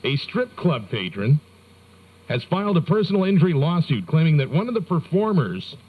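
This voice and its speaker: An American man hosting morning radio, reading news with wry, joking asides in a deadpan delivery. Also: on the high side, moderate pace, breathy edge. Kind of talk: comic news banter on rock radio. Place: radio studio. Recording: narrow-band 1990s radio aircheck.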